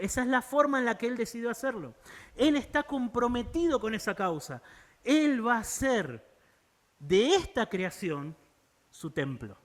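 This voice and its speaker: A man's voice: high voice, fairly bright tone. A man preaching a sermon in Argentine Spanish, earnest and pleading, often checking in with his listeners. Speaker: pastor.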